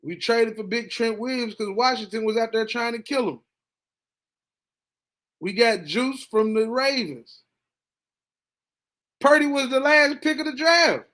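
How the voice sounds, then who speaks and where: A man hosting a podcast, reacting casually to a football game, animated and talkative, dropping to low mutters and jumping to excited high bursts. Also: a little slow, pauses often. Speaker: podcast host. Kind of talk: casual sports reaction monologue.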